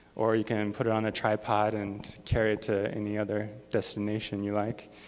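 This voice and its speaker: A man is speaking. His pace is moderate. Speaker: graduate student presenting research. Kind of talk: conference talk. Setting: stage with audience. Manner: halting. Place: hall.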